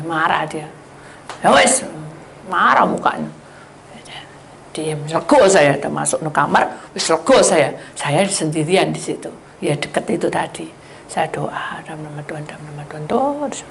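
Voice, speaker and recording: A woman's voice: sits low, creaky, a little hiss or hum. A woman pastor with a Javanese accent giving a sermon testimony, telling her story vividly, acting out dialogue, and speaking straight to the congregation. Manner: animated storyteller who acts out dialogue; addresses the congregation directly.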